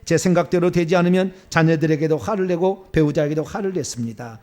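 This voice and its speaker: A man's voice: a little high, fast, mellow. A middle-aged male pastor giving a sermon and leading a repentance prayer in a fervent, declamatory way, with surging emphasis.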